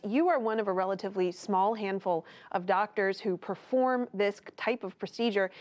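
A woman narrates a news report on health care. She explains each point clearly and evenly, in a voice of middling pitch. She also introduces and welcomes an interview guest. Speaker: news correspondent.

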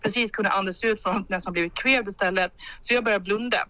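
A woman from Gotland chats on a podcast, her voice bright and forceful. She tells stories vividly and slips into the voices of the people she quotes. The sound is dry and close-miked. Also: mid-range voice, no echo, poor audio. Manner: vivid storyteller, acts out quoted dialogue. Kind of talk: casual podcast chat, storytelling.

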